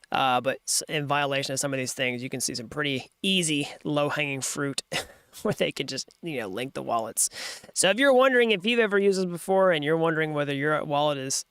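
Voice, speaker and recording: Brief: American male host, bright clear voice, chatty digressive screen-share explainer. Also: medium pitch, dry recording, clean studio sound. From United States. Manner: chatty, digressive, searching for links on screen as he talks. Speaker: host of a programming channel.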